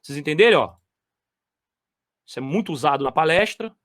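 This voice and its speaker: Man, clip commentary, emphatic and repetitive, high lively voice, dry close sound. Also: a little fast, dry recording. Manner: emphatic, repeats phrases, talks straight to viewers. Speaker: commentator reacting to clips. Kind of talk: commentary on replayed lecture clips.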